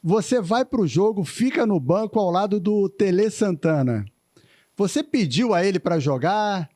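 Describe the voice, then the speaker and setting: Lively man asking short questions. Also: high voice, unhurried, no room sound. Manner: asks short, direct follow-up questions. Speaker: interviewer. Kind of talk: casual interview questions.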